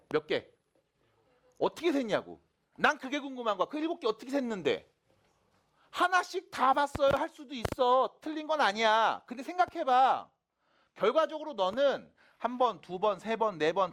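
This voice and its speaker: A man's voice: very high voice, fairly bright tone. A man working through exam math problems as a teacher, informal and often checking understanding with short questions, his articulation slightly slurred as if after dental work. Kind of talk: exam problem explanation to students.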